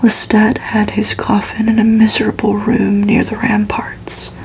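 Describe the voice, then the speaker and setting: A worldly, courteous male vampire, played by a woman, speaks in a breathy storybook whisper. He is slow, teasing and deliberate, with a faint creak and little pitch movement. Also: completely flat delivery, rough recording. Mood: reflective. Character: worldly, amused, courteous male vampire telling his life. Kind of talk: whispered ASMR storybook reading.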